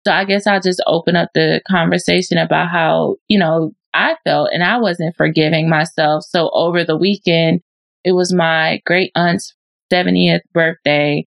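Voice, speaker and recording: Chill woman podcast host, kinda low and gravelly, easygoing. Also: moderate pace, no room sound. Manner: relaxed, laid-back delivery. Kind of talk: casual podcast chat.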